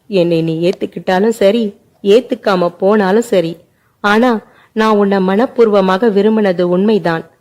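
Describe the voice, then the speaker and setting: A woman's voice: medium pitch, warm tone, lightly acted. A woman voicing a remorseful, tearful young man who pleads with the woman he loves, in a told family story. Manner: pleading, sobbing delivery. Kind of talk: storytelling narration.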